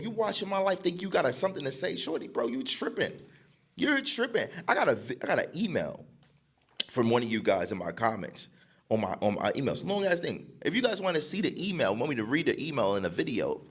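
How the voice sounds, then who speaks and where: A man's voice: fairly high pitch, slightly rough. A man hosting a live stream, arguing in a combative way and repeating himself. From United States. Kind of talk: heated live stream argument.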